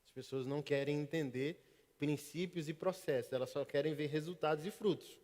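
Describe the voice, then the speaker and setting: A middle-aged preacher delivers a sermon, moving from hushed passages to loud bursts. His voice sits a little high for a man. It rings out with the long reverb of a church hall. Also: a little fast, a little hiss or hum. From Northeast Brazil. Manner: storytelling, swings from hushed to loud. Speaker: pastor. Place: church service.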